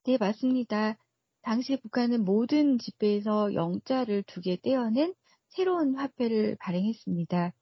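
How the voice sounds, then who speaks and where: A woman's voice: fairly high pitch, lively intonation, normal speed, breathy edge, no room sound, highs cut off. A woman speaking as an expert radio guest, giving prepared analysis in a formal, explanatory way. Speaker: research fellow, expert guest.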